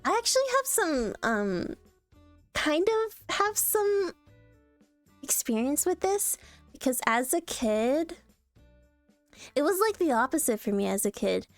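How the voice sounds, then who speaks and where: A bubbly young woman with a high voice chats on a livestream, bouncing between jokes and laughter with animated energy. Her voice is dry and close, and faint music plays underneath. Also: slow, pauses often, no echo. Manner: playful, laughs often, jumpy and animated. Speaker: streamer. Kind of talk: casual livestream chat, reacting to posts.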